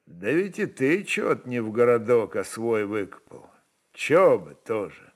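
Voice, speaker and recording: A man voicing a sly, secretive Cossack ataman in his sixties, who talks quietly in a deliberately drawling, folksy way. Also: medium pitch, sing-song. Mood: placid, guarded. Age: 60s.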